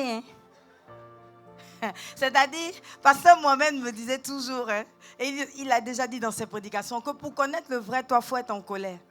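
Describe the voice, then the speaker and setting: High-voiced woman pastor, animated storytelling. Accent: Gabonese French. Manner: animated, acts out quotes, switches between calm and shouting. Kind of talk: sermon with personal storytelling. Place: church.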